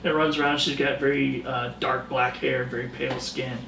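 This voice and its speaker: Narrating a tabletop game, a male game master describes scenes loosely, full of fillers, picked up by a mic placed well back in a roomy space. He speaks at normal speed in a mid-range voice with vocal fry and little pitch movement, with background noise present.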